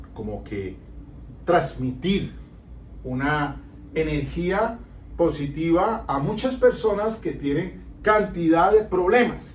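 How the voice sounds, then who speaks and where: Very slow and broken by long, frequent pauses, a man's speech carries audible room echo. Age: 60s. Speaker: criminal law educator. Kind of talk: reflective monologue. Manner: halting.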